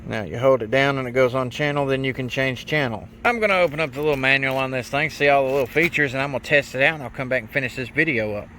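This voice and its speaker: A man's voice: medium pitch, quick pace, hardly any pauses, pushed and bright, a little hiss or hum. A man giving a casual hands-on gadget review in a folksy, plainspoken way with colloquial grammar. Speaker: product reviewer, mechanic.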